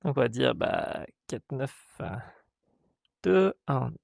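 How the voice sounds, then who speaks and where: Unhurried male tutorial host, hesitant, gravelly tone, dry recording. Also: medium pitch, very animated, dry recording. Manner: hesitant, many "euh" fillers, reads out codes step by step; voices the software in playful mock dialogue. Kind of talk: screen-recorded tech tutorial.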